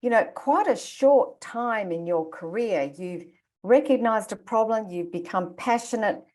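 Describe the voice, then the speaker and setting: A woman with a mid-pitched voice moderates an online panel. She keeps things moving, encouraging guests and steering with open questions. She is heard over a video-call mic. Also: a little slow, a little mellow.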